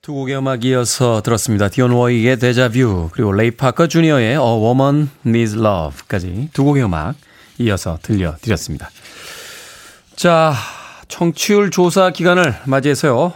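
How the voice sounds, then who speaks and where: A man hosting a radio show, chatting, reading listener messages and plugging events with self-mocking humor. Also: medium pitch. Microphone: studio microphone.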